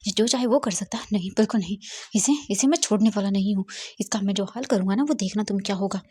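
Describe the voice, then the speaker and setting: A woman voicing a hot-headed, jealous young man who stammers and shouts threats, with a husky voice. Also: high voice, quick pace. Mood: furious. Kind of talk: dramatic fanfiction storytelling.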